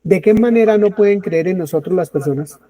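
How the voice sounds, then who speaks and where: A man's voice: sits high, brisk, warm tone. A man preaching a sermon to a congregation, asking them questions and answering them himself. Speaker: preacher leading a Bible study.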